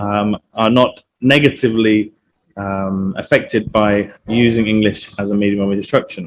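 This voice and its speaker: A man talks in a fairly low pitch at a moderate pace. His intonation is fairly even. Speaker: panel speaker on English-medium education. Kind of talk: online panel presentation. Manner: hesitant, many fillers.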